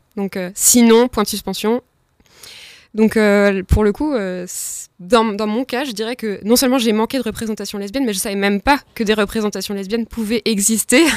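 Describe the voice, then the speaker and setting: A woman speaks in an ordinary speaking voice, fairly high-pitched, with fairly even intonation at a moderate pace, recorded dry and close with no echo. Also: very clean recording, silent background. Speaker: LGBT association representative. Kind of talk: radio discussion. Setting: studio.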